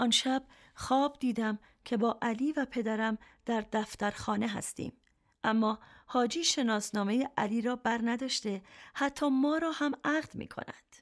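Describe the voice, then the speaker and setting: On a very clean recording with a silent background, a woman speaks fairly slowly at a fairly high pitch with ordinary pitch variation. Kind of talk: audiobook novel reading. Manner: intimate.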